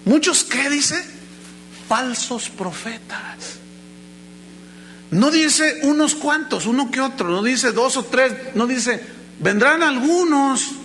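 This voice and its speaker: A Mexican man preaching a sermon as pastor, emphatic, stretching key words slowly and acting out anecdotes in quoted voices. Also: very high voice, pushed and bright, a little hiss or hum. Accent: Mexican Spanish.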